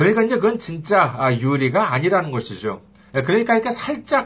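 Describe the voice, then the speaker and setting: A man's voice with very wide pitch swings. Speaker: pastor. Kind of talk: sermon.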